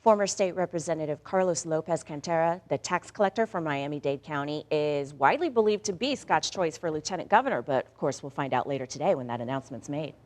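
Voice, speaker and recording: Chatty woman news anchor, slightly low voice. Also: expressive, fast, hardly any pauses. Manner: conversational, playful, addresses listeners directly. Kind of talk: news reading with casual banter.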